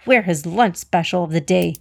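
A woman's voice: fairly low pitch, moderate pace, gravelly. A woman voicing a nervous, exclaiming female antelope in a children's story. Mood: jittery, indignant. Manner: anxious, exclaiming.

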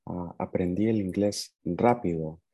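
A young man from Nicaragua, raised partly in the United States, talking casually as a podcast guest and often pausing to find his words. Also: deep voice, warm tone. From Nicaragua, moved to the United States at seven. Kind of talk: casual conversational storytelling.

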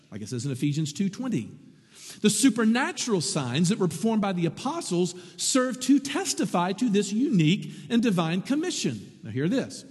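Animated male preacher in a reverberant hall. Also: high voice, breathy edge. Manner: animated preaching with asides and quoted voices. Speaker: pastor. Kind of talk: sermon.

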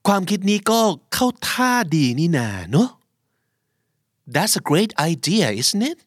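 A man hosting a language lesson podcast, upbeat, who repeats example phrases slowly for listeners to copy. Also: high voice, big pitch swings, no room sound, studio quality. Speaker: podcast host and English teacher.

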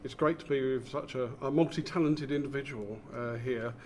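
A man interviewing conversationally in a polite, measured, wry manner. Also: mid-range voice, crowd noise. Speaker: interviewer, co-host.

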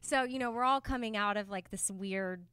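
A woman's voice: mid-range voice, normal speed, bright, forceful tone. A woman interviewing casually on a live red carpet entertainment show.

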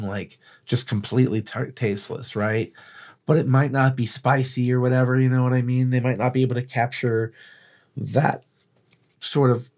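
A man's voice: mid-range voice, gravelly, a little mellow. A man co-hosting a podcast, chatting casually in a rambling, explanatory way with some swearing. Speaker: podcast co-host. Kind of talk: casual chat.

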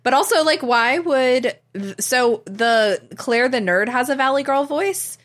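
A woman's voice: sits high, animated, unhurried, a bit bright. A woman chatting on a podcast, making wry, dry remarks. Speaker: podcast guest. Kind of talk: casual chat.

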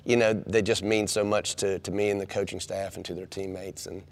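Deep-voiced basketball coach. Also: male voice, level tone. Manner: halting, repeats words, warms up when telling stories. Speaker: women's basketball head coach. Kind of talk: casual radio interview.

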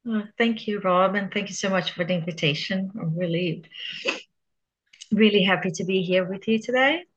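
A woman's voice: mid-range voice, normal speed, slightly rough, lo-fi sound. A woman in her thirties from Brazil, speaking English with a Brazilian Portuguese accent as a guest researcher, answering politely and in orderly detail. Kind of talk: interview answers.

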